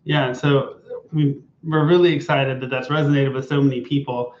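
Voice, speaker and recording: A young adult man co-hosting a casual live-stream chat, relaxed and informal. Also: mid-range voice, normal speed. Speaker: vlog co-host. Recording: roomy, slightly dull live-stream audio.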